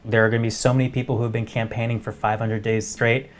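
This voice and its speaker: A man's voice: mid-range voice, little pitch movement, fast. A man hosting a conversational political comedy show, interviewing with wry quips. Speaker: talk show host.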